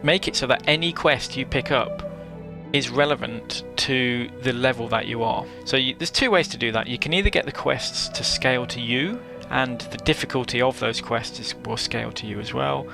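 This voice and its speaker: Man, gaming video host, opinionated commentary, emphatic, gravelly fry, music in the background. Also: medium pitch, moderate pace. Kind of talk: opinion commentary on an online game. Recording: music behind the voice.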